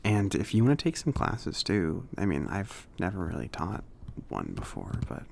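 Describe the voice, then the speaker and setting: A man playing a friendly, slightly awkward mage shopkeeper in a soft-spoken, hesitant, casual ASMR roleplay. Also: deep voice, wildly swooping pitch, normal speed, creaky, a little hiss or hum, full character voice. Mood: friendly, helpful. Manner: hesitant, rambling, accommodating. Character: friendly, slightly awkward male mage running a magic shop.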